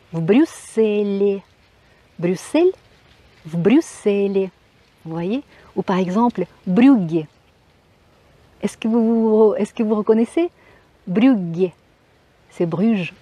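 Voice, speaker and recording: A Russian woman with a Russian accent teaching a language lesson, patiently repeating words slowly for learners. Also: mid-range voice, dark tone, no room sound.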